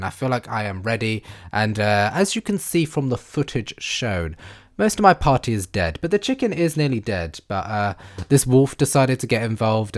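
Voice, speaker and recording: Male gaming YouTuber, congested nasal voice from a cold, lively chatty commentary. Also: lowish voice. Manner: chatty, animated, self-narrating. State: congested, blocked nose from illness. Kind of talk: game commentary voice-over.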